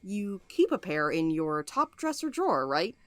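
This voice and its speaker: Snarky impatient sleuth type, blunt n bossy, audio drama, super dry close sound. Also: female voice, fairly low pitch, big pitch swings, normal speed, no echo. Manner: blunt, foul-mouthed, bossy. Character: Val, brash, impatient, snarky nonbinary amateur sleuth.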